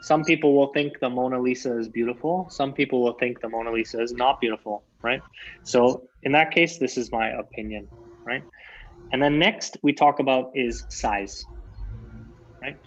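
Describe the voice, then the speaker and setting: A man's voice: medium pitch, moderate pace, dull audio. A Canadian man teaching an English lesson online, patiently repeating key phrases for his students.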